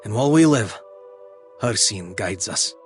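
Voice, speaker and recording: A man playing a devout tribal clansman in a video game, speaking in a grave, measured way. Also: lowish voice, lively intonation, soft background music. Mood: solemn. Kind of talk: video game character acting.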